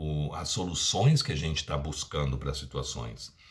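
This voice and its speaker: The voice belongs to a man. Vocal fry runs through his speech. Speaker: tarot reader. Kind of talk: tarot reading to camera. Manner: fast.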